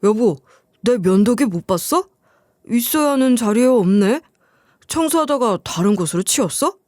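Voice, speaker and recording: A woman's voice: on the high side, lively intonation, normal speed, a little mellow, dry recording, clean studio sound, lightly acted. A woman voicing an irritated husband who runs an appliance store, asking scolding questions. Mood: puzzled.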